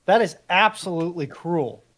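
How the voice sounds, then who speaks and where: Male, late twenties, lightly raised pitch, mock-stern conversational banter with emphatic repeats. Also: normal speed, a bit bright. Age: late 20s. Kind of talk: casual group banter on a livestream.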